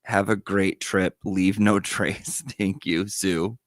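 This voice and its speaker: A man's voice: sits low, steady tone, slow, dry recording. A man with whistling s sounds, chatting casually as a livestream host and reading out viewer messages.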